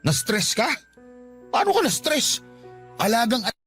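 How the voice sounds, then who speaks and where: Isang lalaking gumaganap sa dramang pag-ibig sa radyo bilang nasaktan at mapait na batang nobyong iniiwan, puno ng panunumbat. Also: male voice, very high-pitched, very animated, unhurried, a bit bright, soft background music, heavily acted. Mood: incredulous, hurt. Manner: wounded, reproachful. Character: hurt, bitter young boyfriend being dumped. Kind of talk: radio romance drama acting.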